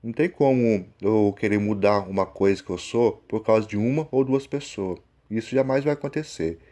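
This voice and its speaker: A man's voice: lowish voice, moderate pace, warm tone. A Brazilian man with a plain, unpolished delivery, speaking as a channel host and story narrator. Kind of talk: scripted narration. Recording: music behind the voice. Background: prominent music.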